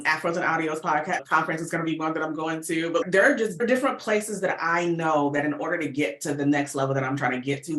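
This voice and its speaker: A woman with a bright, forward voice talks as an interview guest in casual, slangy language. Her delivery is animated and informal, and the recording has a noticeable room echo. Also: low-pitched. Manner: animated, informal, peppers talk with slang and acted-out quotes. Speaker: podcast guest, writer and producer of audio fiction.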